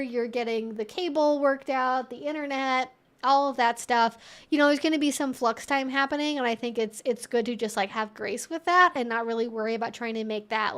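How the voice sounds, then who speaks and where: A woman's voice: high voice, fairly bright tone. A woman hosting a casual Q&A, giving conversational advice in an informal, rambling way with frequent asides. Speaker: livestream host and relationship educator answering viewer questions.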